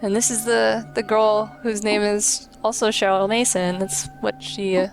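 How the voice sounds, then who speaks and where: A woman's voice: mid-range voice, level tone, measured pace. Female game commentator, chatty and opinionated, casual delivery over prominent music. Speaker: host playing and presenting a video game. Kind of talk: casual let's play commentary. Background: video game music.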